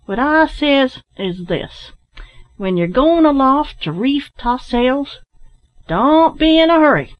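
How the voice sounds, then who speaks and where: A woman voicing a stolid, opinionated sailor man with emphatic, drawn-out rustic speech in a storybook. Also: high-pitched, very animated, dull audio, voice pushed up, full character voice. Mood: sage, stolid. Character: slow, homespun, opinionated sailor man dispensing maxims.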